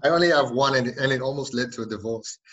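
A man's voice: medium pitch, quick pace, a bit bright, muffled recording. A man in his forties from South Africa, a podcast guest chatting casually, jokey and often laughing, with plenty of ums. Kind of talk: casual interview chat.

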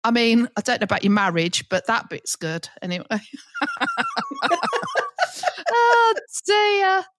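A middle-aged woman, co-hosting a podcast and telling a lively anecdote with frequent laughter. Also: on the high side, takes it slowly, pauses often, heavy background noise. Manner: lively storyteller, chatty, laughs often. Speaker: podcast co-host, teacher trainer. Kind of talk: casual chat, anecdote.

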